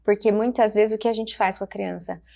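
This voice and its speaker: A woman with a Brazilian Portuguese accent, a child development specialist speaking gently and reflectively in short phrases on a podcast. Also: mid-range voice, fairly even intonation, brisk, creaky. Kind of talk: podcast conversation.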